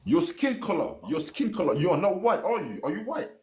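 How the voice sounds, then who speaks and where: A man's voice: sits high, big pitch swings, a little fast, darkish tone. A man from Ivory Coast, a native French speaker with a British accent, talking in a dismissive, confrontational way. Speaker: live stream guest. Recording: roomy echo.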